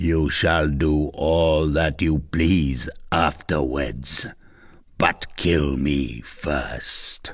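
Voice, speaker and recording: Growling in a put-on character voice, a man speaks very slowly at a very deep, low pitch with fairly even intonation. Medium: read story. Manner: resigned.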